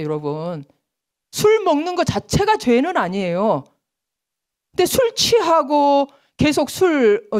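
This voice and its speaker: A woman preacher giving an early morning prayer sermon in a church, often acting out nagging voices of other people as she speaks. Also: a little high. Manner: lively, acts out nagging voices in quotes.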